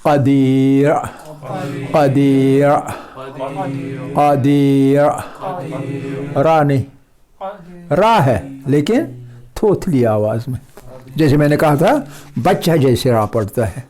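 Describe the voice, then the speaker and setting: A man teaching a recitation lesson, patiently explaining and repeating example words slowly, often checking that his listeners follow. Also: mid-range voice, mellow. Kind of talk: tajweed lesson.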